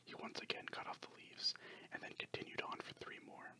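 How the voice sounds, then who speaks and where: Someone narrating a story in a breathy, unvoiced ASMR whisper, hushed and scripted. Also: brisk.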